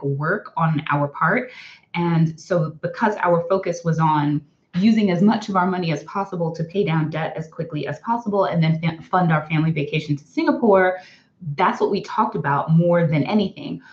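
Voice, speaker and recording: Young woman chatting on a livestream, upbeat, roomy dull sound. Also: fairly low pitch. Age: young adult. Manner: chatty, upbeat, greets viewers by name. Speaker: vlog co-host. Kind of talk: casual live-stream chat. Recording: roomy, slightly dull live-stream audio.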